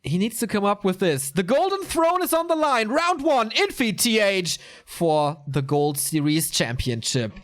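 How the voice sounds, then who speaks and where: A man casting a live strategy game tournament on his own. His voice sits a little high and swings freely up and down as he talks. He keeps things casual, stopping to chat with viewers between the calls. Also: unhurried. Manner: lively, chatty, answers viewer chat mid-commentary. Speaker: esports commentator. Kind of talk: solo live game commentary.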